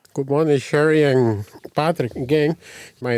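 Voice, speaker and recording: With a slight Spanish accent and a dark, mellow tone, a man talks at a moderate pace on a very clean recording with a silent background. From Dominican Republic. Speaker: trainer. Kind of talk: casual chat. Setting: studio.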